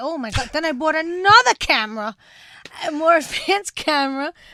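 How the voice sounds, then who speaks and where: A woman with a strong Long Island accent projects a raised voice in a bright, sharp tone, talking at a fairly quick pace with lively intonation. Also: dry, close sound with no echo, very clean recording, silent background. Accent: strong Long Island New York. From Long Island, New York (Franklin Square). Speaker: radio promotions director. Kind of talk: casual chat.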